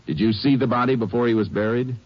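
A man's voice: mid-range voice, steady tone, fast talker, muffled recording, lightly acted. An actor playing a firm, laconic Texas Ranger lawman in 1950s radio western style, on an old noisy recording. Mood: firm, official. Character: authoritative, steady Texas Ranger lawman, male.

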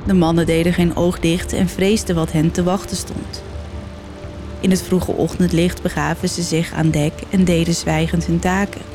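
A woman narrating a legend as a storyteller, reading in a measured, dramatic way. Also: fairly low pitch, level tone, over music. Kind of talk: scripted narration.

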